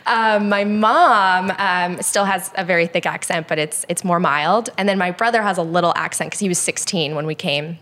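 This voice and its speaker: Chatty immigrant woman with lowish voice. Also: normal speed, few pauses, fairly bright tone. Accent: American, Chicago-influenced. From Poland. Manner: talkative, frequent likes and ums. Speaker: guest. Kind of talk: candid conversational interview.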